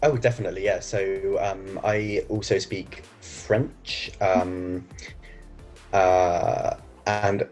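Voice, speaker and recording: A man, a teacher answering interview questions in a soft, thoughtful way. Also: low voice, flat delivery, takes it slowly, faint music behind. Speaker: English teacher.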